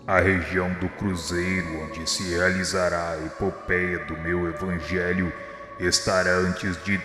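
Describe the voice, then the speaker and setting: A man as slow, deep-voiced divine Jesus. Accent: Brazilian. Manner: solemn, measured, exalted delivery. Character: Jesus, a serene, solemn divine lord reassuring a follower. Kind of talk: devotional radio drama acting. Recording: reverberant hall effect under clear music.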